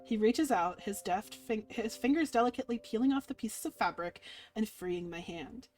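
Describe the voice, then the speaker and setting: A woman's voice: a little high, lively intonation, moderate pace, a little mellow. A woman streaming a game, reading the story aloud expressively with playful casual commentary over music. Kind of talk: dramatic read-aloud of visual novel with casual commentary. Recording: music playing underneath.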